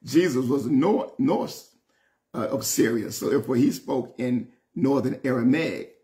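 In his sixties and Southern-accented, this man speaks at medium pitch, unhurried and warm. He reads and explains scripture in an informal Bible study, emphatic and folksy, repeating phrases and calling on listeners, seated indoors at home before French doors.

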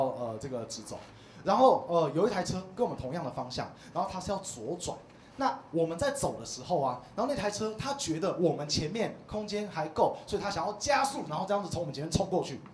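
A stand-up comic in his thirties tells his stories with a high, lively voice that swoops up and down as he acts out the people in them. The small comedy club gives a roomy echo, with a faint hum of the room behind him. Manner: animated storytelling, acts out quoted voices.

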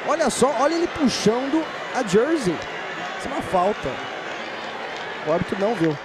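A man's voice: extremely high pitch, big pitch swings, normal speed. A man giving live American football commentary. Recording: loud stadium crowd noise behind the voice. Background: roaring stadium crowd.

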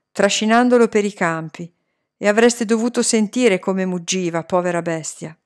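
Woman reading a storybook aloud. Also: medium pitch. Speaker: reader.

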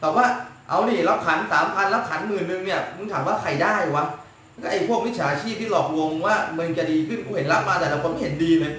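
A high-voiced man lectures his viewers on a casual live stream as a spiritual teacher, blunt and crude, forever asking "right?". His voice rings through a very echoey room over faint background noise. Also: fast, fairly bright tone.

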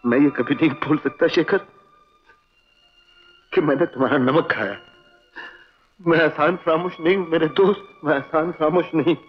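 An actor playing a loyal orphaned friend of the family, pleading theatrically in 1960s film dialogue. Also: male voice, a little high, moderate pace, pauses often, lightly acted. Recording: dull old film soundtrack with music.

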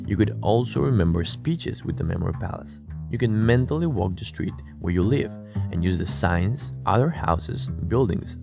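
A man narrating a scripted self-improvement lesson in a calm, instructive way, English not his first language. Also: fairly low pitch, vocal fry. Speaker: self-improvement channel host. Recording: voice-over with guitar music behind.

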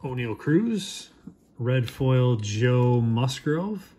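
A man in his thirties giving casual, low-key commentary while opening packs at a shop counter, naming each player as it comes up. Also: expressive, extremely slow, dark tone, breathy edge.

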